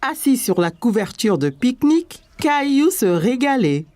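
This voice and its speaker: A woman playing a kindly storyteller, narrating a children's cartoon in a clearly phrased storybook manner. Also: fairly high pitch, very animated, normal speed, darkish tone, dry recording. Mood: storytelling. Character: kindly storyteller narrating a small boy's day. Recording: faint music under the voice.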